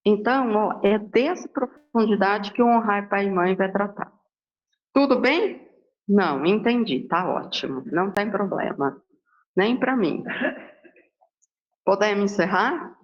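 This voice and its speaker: A woman's voice: mid-range voice, expressive, measured pace. A woman from Brazil leading a Sunday spiritist gospel study, talking conversationally and asking herself rhetorical questions. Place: Spiritist center hall. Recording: dull lo-fi sound.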